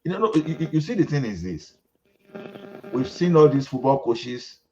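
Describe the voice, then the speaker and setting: A man's voice: mid-range voice, sing-song, moderate pace, mellow. A Nigerian man hosting a casual group chat, often repeating words as he starts a sentence. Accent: Nigerian English. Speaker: host. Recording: dull lo-fi audio.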